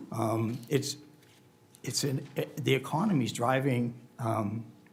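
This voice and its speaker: A man talks at a medium pitch. His pitch varies in an ordinary way over noticeable background noise. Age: 70s. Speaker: town official / planning board member. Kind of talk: public meeting remarks. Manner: halting, many fillers and restarts.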